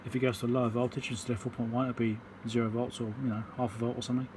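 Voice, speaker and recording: A man of medium pitch talks informally and haltingly while demonstrating an electronics repair step by step. He's at an indoor workbench; the audio has a steady background hum and room noise.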